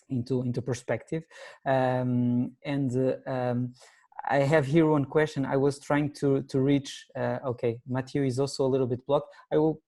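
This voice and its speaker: A man's voice: medium pitch, gravelly, mellow. A man moderating a lecture Q&A in non-native English, hesitant and rephrasing as he reads out audience questions.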